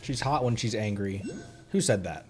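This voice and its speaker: Over game music, a man with a lowish voice livestreams a video game, chatting playfully to himself at normal speed. His intonation is lively and he giggles as he goes in this casual stream talk.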